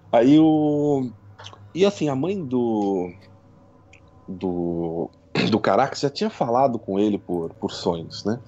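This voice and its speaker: A man's voice: medium pitch, lively intonation, slow pace, long pauses, mellow. A man running a tabletop game as game master, narrating in a casual, chatty storytelling way. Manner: casual storytelling with frequent tag questions and laughs. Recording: dull lo-fi stream audio.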